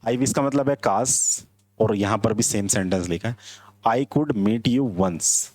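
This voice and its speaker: A man teaching English in a classroom lecture, explaining slowly and asking his students whether they understand. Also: fairly low pitch, darkish tone, dry recording.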